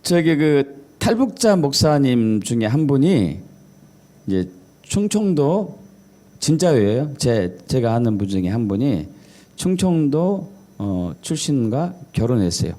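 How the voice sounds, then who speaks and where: A man's voice: medium pitch, sing-song, measured pace, dark tone. A male pastor giving a Sunday sermon in a jokey storytelling way, mimicking regional dialects. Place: church service.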